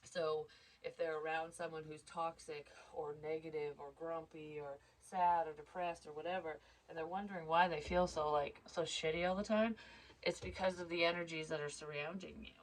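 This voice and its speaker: A woman's voice: low-pitched, steady tone, normal speed, rough recording. A woman giving a casual psychic reading, stuffed up and congested, rambling and interrupting herself. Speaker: psychic tarot reader.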